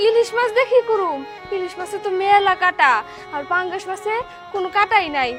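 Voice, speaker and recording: A woman playing a poor mother who scolds with sharp questions and then soothes. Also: very high voice, lively intonation, a little fast. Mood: tender soothing. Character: poor rural mother, stern then tender. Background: background music.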